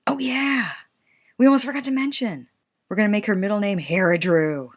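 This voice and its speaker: A woman's voice: medium pitch, fairly quick, natural voice. A woman playing a pedantic, earnest, anxious college student in an audio comedy, with a precise, wordy way of talking. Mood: sincere, pleased. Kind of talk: audio drama romantic comedy dialogue.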